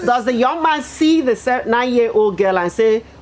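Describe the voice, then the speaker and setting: Using a plain, everyday voice, a woman talks at a moderate pace with a fairly high pitch and lively intonation. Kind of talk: casual interview host.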